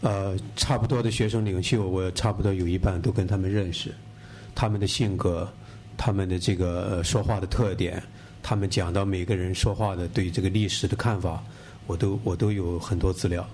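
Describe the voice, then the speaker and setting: Low-voiced man speaking at a book event. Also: fairly even intonation, a little fast, darkish tone, slight background noise. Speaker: author. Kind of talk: answering questions at a book event. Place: bookshop event, seated at a table. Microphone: table mic.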